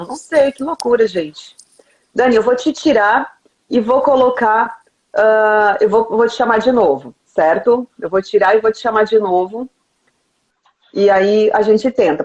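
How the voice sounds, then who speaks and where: A woman's voice: fairly high pitch, a little mellow, lo-fi sound. A woman with a southern Brazilian accent hosting a casual live interview online in an informal, chatty way. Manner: informal, chatty, often laughing. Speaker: host of an online interview show. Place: remote live video call.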